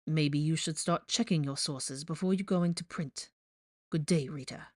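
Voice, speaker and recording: Icy young male lead , acted by a woman narrator, low-pitched, clipped menace, tightly controlled temper, storybook drama. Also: a little mellow, dry recording. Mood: cold contempt. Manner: cold, measured, deliberate. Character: angry young man, icy, controlled, threatening.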